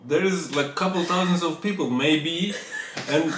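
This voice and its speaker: Teasing young Turkish man, halting English. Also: fairly high pitch. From eastern Turkey. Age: 20s. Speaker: co-host, boyfriend. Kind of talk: casual couple Q&A chat. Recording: echoey room with faint noise.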